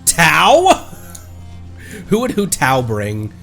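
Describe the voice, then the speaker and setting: A woman with a low voice that swings widely in pitch, reacting playfully to a game on a live stream. She talks slowly and casually, with faint music behind her. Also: huge pitch swings, gravelly, fairly bright tone.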